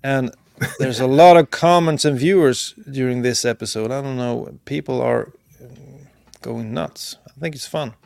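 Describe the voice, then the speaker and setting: A male podcast host from Sweden in casual live chat, rambling and trailing off into quiet asides. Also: medium pitch, a little slow, vocal fry, no room sound, clean studio sound.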